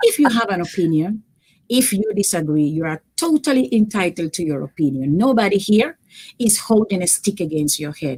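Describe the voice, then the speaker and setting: With a Jamaican accent, a woman at medium pitch talks at a moderate pace, somewhat breathy, her pitch swinging very widely. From Cuba. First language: Jamaican Patois. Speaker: retired language professor. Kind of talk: lecture.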